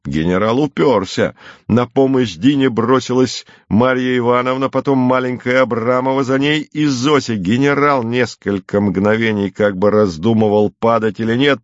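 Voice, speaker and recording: A man narrating an audiobook in a calm, measured storytelling manner. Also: medium pitch, no room sound, dull audio. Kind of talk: scripted narration.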